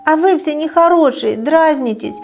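A woman reading aloud and voicing a shy, touchy little female eraser with a high, pleading voice. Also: moderate pace, a little hiss or hum. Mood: indignant.

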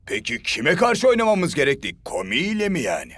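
A man's voice: a little high, wildly swooping pitch, normal speed, a bit bright. A man voicing an eager young footballer who loves adventure, in a dubbed cartoon, with a theatrical, swooping delivery. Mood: excited. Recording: music bed under voice.

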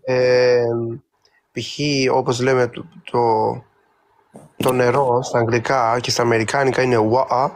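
A man chatting as a guest on a live stream, speaking hesitantly with pauses and fillers. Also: medium pitch, completely flat delivery. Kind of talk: casual chat.

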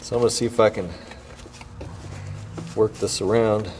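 Speaking at a normal speed in a lowish voice, a man walks through a car repair step by step, talking casually as he handles the parts. His manner is relaxed, talking while his hands stay busy. There's long reverb and a faint hum of background noise.

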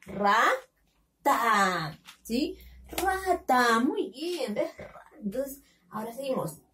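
A woman teaching a phonics lesson to young children, sounding out syllables slowly and coaxing them with questions. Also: sits high, expressive, a little mellow, far from the mic. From Peru. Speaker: kindergarten teacher.

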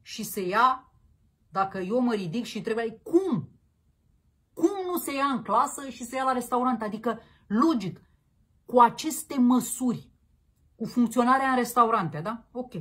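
This political commentary host, a woman, has a fairly high, fairly bright and husky voice. She rants in a crude, combative, mocking manner laced with slang address.

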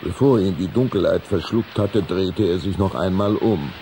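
A man's voice: sits low, moderate pace, noisy background. A man narrating a scripted children's story for a radio play.

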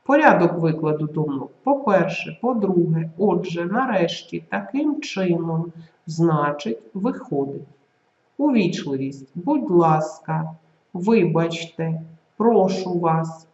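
A language teacher narrating a scripted video lesson, reading word lists slowly and clearly with marked intonation. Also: mid-range voice, darkish tone. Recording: echoey room, dull lo-fi recording.

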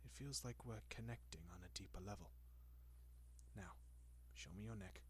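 A man playing a doting, possessive centuries-old vampire in an intimate roleplay audio, speaking in a genteel, coaxing manner with lingering pauses. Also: fairly low pitch, slight background noise, natural voice. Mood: courteous, coaxing.

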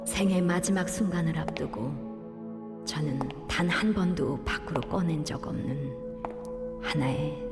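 An actress playing a woman confessing a sin in a hushed, whispered prayer in a thriller audio drama. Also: on the low side, in a large hall, heavily acted. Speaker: voice actor.

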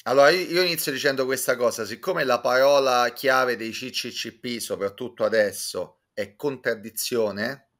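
A man's voice: medium pitch, moderate pace, few pauses, fairly bright tone. A man, giving discursive, learned, self-ironic commentary as a guest on a video call. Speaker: guest reviewer, culture commentator. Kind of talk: conversational critical commentary. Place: indoors, small room with bookshelves. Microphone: video call, close to webcam.

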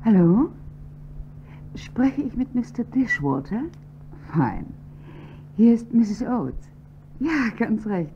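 An actress playing a poised, wealthy wife in a radio crime play, polite on the phone and cold to an intruder. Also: female voice, on the high side, big pitch swings, slow pace, pauses often, heavily acted. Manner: poised, then sharp and commanding. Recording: dull lo-fi radio recording with faint hum.

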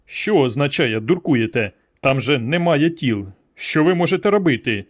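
A man's voice: mid-range voice, expressive, moderate pace, natural voice. A man voicing a flustered, nervous man who protests against intruders. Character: anxious flustered young man.

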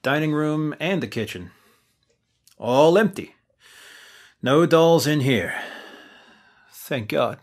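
A man's voice: fairly high pitch, expressive, takes it slowly, long pauses. A man playing a wry take-charge leader. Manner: wry, commanding. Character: young man Adam, leader of a monster hunt. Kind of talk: amateur audio drama acting.

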